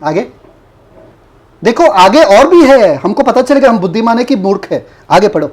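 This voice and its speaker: A man's voice: high-pitched, sing-song, normal speed, darkish tone. Questioning man teaching a Bible lesson. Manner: questioning, repeats the listeners' answers; mocking role-play of a foolish person. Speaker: preacher.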